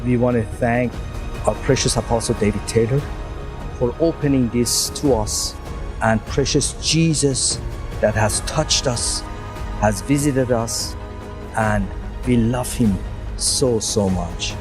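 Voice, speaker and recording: A man's voice: mid-range voice, takes it slowly, music in the background. A man giving a fervent, emotional religious testimony. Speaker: church member giving testimony.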